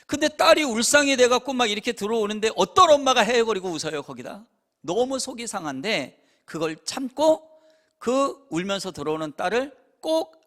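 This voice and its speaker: A pastor in his fifties delivers a revival sermon in a church sanctuary. His voice sits high for a man and leaps up and down as he tells family stories. He acts out the parents and the children as he goes. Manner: animated storytelling, acting out parents and children.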